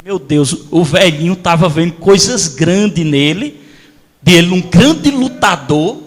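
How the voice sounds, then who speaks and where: A male pastor from Brazil, preaching a sermon as animated storytelling and acting out voices. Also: sits high, big-room sound. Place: church hall.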